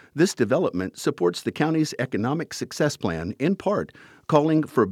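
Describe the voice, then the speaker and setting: This man's fairly high voice swings very widely in pitch and carries vocal fry. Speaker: podcast announcer. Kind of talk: formal news-style reading of meeting highlights, scripted. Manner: formal; measured, even-paced, neutral delivery.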